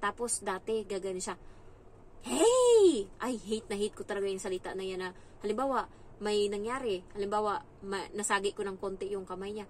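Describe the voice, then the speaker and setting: A young Filipina woman talks straight to her viewers in a casual advice vlog, telling stories with lots of life and slipping into other people's voices as she goes. Her voice sits at an ordinary middle pitch for a woman, with a faint hiss of background noise behind her. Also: fast, poor audio. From Philippines. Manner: lively storytelling, acts out other people's lines. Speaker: vlogger, domestic helper. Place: employer's home abroad.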